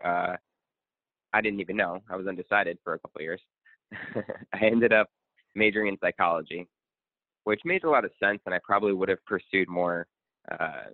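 A man from Connecticut, a guest speaker and coach, talking in a relaxed, rambling way with many ums. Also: deep voice, no room sound. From Connecticut, USA. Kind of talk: casual interview. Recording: tinny phone-line sound.

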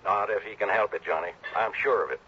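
A hesitant businessman explains things on the phone in a husky, mid-range voice. The sound is a dull, lo-fi 1960s radio broadcast. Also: lowish voice, fast talker. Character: businessman calling a detective on the phone. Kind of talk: 1960s radio drama acting.

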